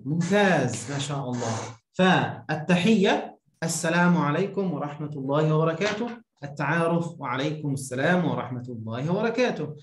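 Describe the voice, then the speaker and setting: Over a video call from a small room, a man from Egypt in his 30s teaches Arabic to a single beginner, articulating every phrase deliberately and prompting and repeating. His expressive, low voice rings with a roomy echo, and there's a little hiss or hum on the line.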